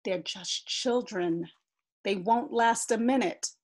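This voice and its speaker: A woman voicing a patient, unhurried craftsman who speaks calmly. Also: mid-range voice. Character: calm, endlessly patient older craftsman.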